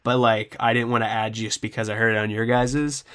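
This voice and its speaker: A man's voice: mid-range voice, flat delivery, fairly quick, fairly bright tone. A young man co-hosting a podcast, chatting casually with enthusiasm, slang and plenty of swearing. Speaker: podcast co-host. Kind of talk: casual chat.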